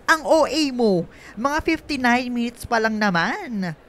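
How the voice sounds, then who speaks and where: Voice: medium pitch, expressive, measured pace, a bit bright. A performer with a Filipino accent playing a flamboyant, bossy young gay man in a radio drama, sassy and campy with affectionate teasing.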